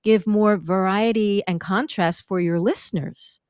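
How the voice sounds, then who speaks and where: A woman from New York, a speaking and vocal coach, chatting as a guest on a podcast with an expressive, lively teaching manner. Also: mid-range voice, a little slow, clean tone, no echo, clean studio sound. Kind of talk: conversational podcast interview.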